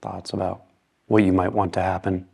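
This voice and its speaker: Male meditation guide, deep gravelly voice, calm, unhurried pauses, even tone. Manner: slow, calm, with long pauses between short phrases.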